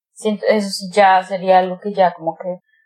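A woman with a dark, mellow tone speaks at medium pitch and a moderate pace. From Colombia. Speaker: podcast co-host. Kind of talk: casual chat.

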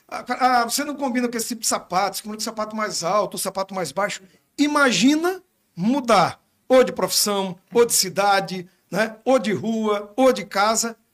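This man has a high voice with ordinary pitch variation. He speaks at a moderate pace. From Alagoas, northeastern Brazil. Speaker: TV journalist and broadcaster. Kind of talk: casual interview chat.

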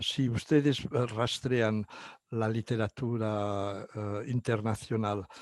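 The recording is dry and close, with no echo. A man with a Catalan accent speaks in a medium pitch. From Catalonia, Barcelona. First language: Catalan (speaking Spanish). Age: 70s. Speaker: psychologist. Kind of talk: interview. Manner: halting.

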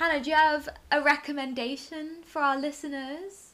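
Raising and projecting her voice, a woman speaks high and bright with a sharp tone and flat, monotone intonation. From England. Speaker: podcast co-host. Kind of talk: casual chat.

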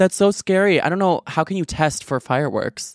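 Recorded very cleanly against a silent background, with a dry, close sound and no echo, a man with an American accent speaks in an animated tone at a fairly quick pace. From Chicago, US Midwest. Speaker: podcast host and TikTok creator. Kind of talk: casual chat. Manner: animated, excitable.

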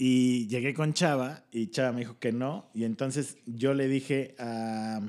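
Speaking in a central Mexican accent at a fairly slow pace, a man with a medium pitch keeps a fairly even intonation and hardly any pauses, recorded very cleanly against a silent background. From Mexico, Querétaro. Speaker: comedian and comedy club owner. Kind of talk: casual chat. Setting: in person studio.

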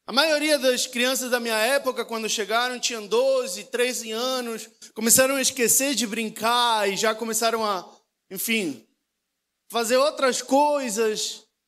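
A man with a Uruguayan accent speaks at a fairly slow pace in an extremely high pitch with a bright, sharp tone. His intonation is fairly even, on a very clean recording with a silent background. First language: Spanish (speaking Portuguese). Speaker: preacher. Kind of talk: sermon. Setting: church.

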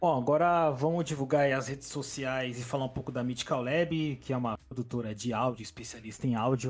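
Music runs underneath as a man talks at a medium pitch with ordinary variation. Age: 30s. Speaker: podcaster, guest co-host. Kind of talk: casual chat.

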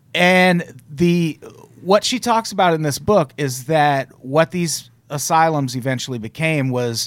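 A man with a normal speaking voice and an American accent, moderate in pace, with lively intonation. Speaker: podcast host. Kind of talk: casual chat.

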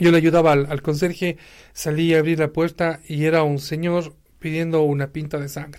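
A man's fairly high-pitched, monotone voice with flat intonation, at a moderate pace, on a very clean recording with a silent background. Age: 30s. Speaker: Red Cross provincial president. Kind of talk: interview.

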